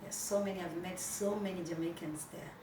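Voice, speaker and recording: Low-voiced Swahili-speaking woman, far and roomy. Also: fairly even intonation, a little fast, a little mellow. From Tanzania. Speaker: guest, musician and restaurant owner. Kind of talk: casual interview chat. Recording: roomy, distant, noisy ambience.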